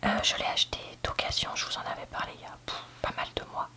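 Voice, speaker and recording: A book reviewer giving a candid, hesitant ASMR review in a soft library whisper, often searching for words. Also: fast talker. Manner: soft library whisper, almost entirely unvoiced. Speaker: book reviewer, video host.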